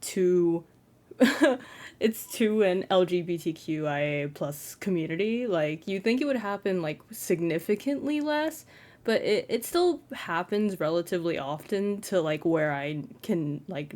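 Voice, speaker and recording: In a casual vlog shot in his bedroom late at night, a young trans man who makes content rambles self-consciously, leaning heavily on "like." His feminine-sounding voice is high and fairly flat, moving at a measured pace.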